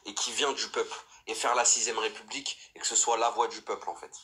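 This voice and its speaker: A man's voice: on the low side, fairly even intonation, fast, pushed and bright. A young man from France hosting a livestream, talking in a fired-up, rambling way with lots of restarts and fillers. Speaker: livestream host. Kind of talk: casual livestream chat.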